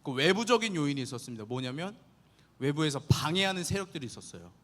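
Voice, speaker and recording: A young man delivers an earnest sermon to a youth congregation, his voice sitting a little high and swinging widely in pitch. He keeps the tone animated and draws listeners in with rhetorical questions. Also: fast, big-room sound. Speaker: youth pastor.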